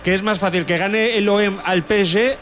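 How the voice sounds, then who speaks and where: A man's voice: high-pitched, fairly even intonation, moderate pace, a bit bright, faint music behind. A man co-hosting a radio show, chiming in with wisecracks.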